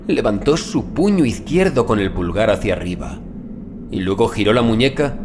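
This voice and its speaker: A man narrating a scripted first-person horror story in a measured, deliberate literary manner. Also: lowish voice, background noise. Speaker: audiobook narrator.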